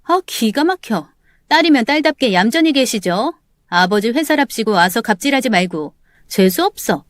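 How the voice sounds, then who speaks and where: A higher, pert voice of a rude young female secretary, as a woman narrator puts her on in a story drama. She snaps back with sassy, defiant retorts. The recording is close and dry. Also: expressive, moderate pace, no room sound, lightly acted.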